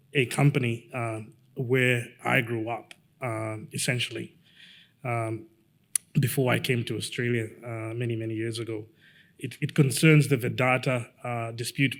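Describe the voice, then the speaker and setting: Gravelly, halting man from Zambia. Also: mid-range voice. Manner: measured, halting, with frequent fillers. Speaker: lawyer giving a conference presentation. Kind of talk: conference presentation.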